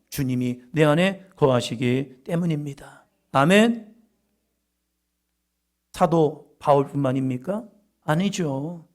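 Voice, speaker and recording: A middle-aged man preaching a sermon, telling stories with humorous asides and breaking into loud emphasis on key words. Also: fairly high pitch. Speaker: pastor.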